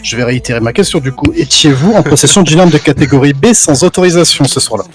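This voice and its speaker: A man playing a stern courtroom judge in an online roleplay game, formal but halting and full of hesitations. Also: on the high side, animated, faint music behind, natural voice. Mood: pressing. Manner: halting, formal, filler-heavy.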